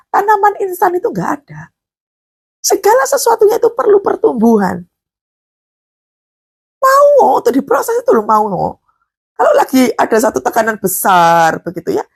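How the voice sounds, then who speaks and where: A woman, preaching a live devotional sermon, often putting questions to the congregation and rising high on emphatic words. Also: creaky, slightly rough.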